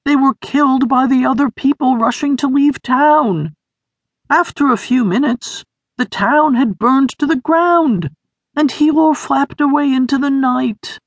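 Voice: high-pitched, unhurried, dry recording, pitched above the performer's own voice. A storybook reader voicing a weak, wheezing, plump young male creature who survived a fire. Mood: urgent, shaken. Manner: wheezy and breathless.

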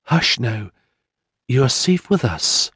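A man voicing a kind, composed young noblewoman who speaks softly and gently. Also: fairly high pitch, sing-song, unhurried, no echo, studio quality, pitched above the performer's own voice. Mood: gentle. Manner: soft and gentle.

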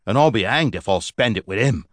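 A man voicing a rough-edged, plain-spoken husband who brooks no argument. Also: fairly low pitch, expressive, brisk, no echo, studio quality, lightly acted. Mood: blunt. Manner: blunt, gruff, plain-spoken. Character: blunt, rough-edged self-made husband.

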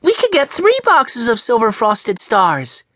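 A man putting on a high, eager little boy for a children's story. The voice jumps around in pitch and is drawn out slowly. It sounds dry and close. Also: huge pitch swings, bright, forceful tone, no room sound, exaggerated voice. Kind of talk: storybook read-aloud.

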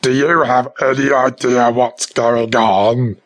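A man voicing a friendly male zombie with a gravelly, rough voice, speaking in an easygoing, matter-of-fact way. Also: medium pitch, flat delivery, slow pace.

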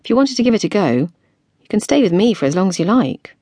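A woman narrator voicing a calm, kindly young woman friend, measured and unhurried. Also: medium pitch, breathy edge, dry recording, voice pushed up.

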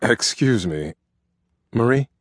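An actor playing a quiet, polite young swordsman in an audiobook. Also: mid-range voice, lively intonation, takes it slowly, no echo, studio quality. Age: young adult.

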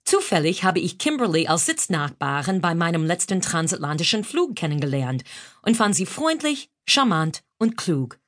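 A woman's voice: on the low side, very animated, moderate pace. A woman with an American accent, a native English speaker, reading her own humorous memoir in German and mixing in English phrases. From United States. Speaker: author narrating her own audiobook.

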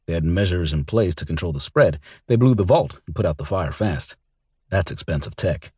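A weary bounty hunter talks with cool, dry resignation, as a man reads him out. His voice is low and very husky, recorded dry and close for a storybook. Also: expressive, normal speed, darkish tone, dry recording, full character voice.

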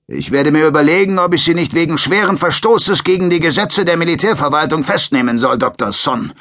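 A man's voice: on the high side, a little fast, fairly bright tone, voice pushed up, lightly acted. A man voicing a menacing, brutish alien soldier sergeant in an audiobook, speaking with a mocking drawl. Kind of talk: audiobook character voice.

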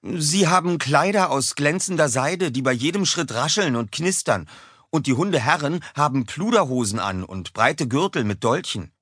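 A man's voice: a little high, expressive, normal speed, fairly bright tone, husky, dry recording, clean studio sound, pitched above the performer's own voice. A man voicing a young male cat schoolboy who talks earnestly in an audiobook for children. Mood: storytelling. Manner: earnest, eager. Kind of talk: audiobook character voice.

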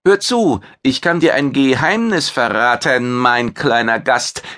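A male narrator voicing a proud, boastful horned and furry alien cook with hard, clipped speech, pitched higher and louder than his narration. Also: unhurried, lightly acted. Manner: boastful, blustering.

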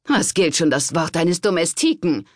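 A man's voice: a little high, lively intonation, normal speed, no room sound, clean studio sound, pitched above the performer's own voice, close to an everyday voice. A man reading an audiobook, voicing a scheming, pregnant noblewoman with a cutting, contemptuous manner. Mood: scornful.

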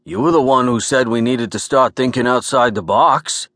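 A man's voice: mid-range voice, normal speed, a bit bright, no echo, studio quality, natural voice. Man acting a fed-up, grumbling husband. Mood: exasperated, defensive. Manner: exasperated, defensive. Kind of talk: audiobook character acting.

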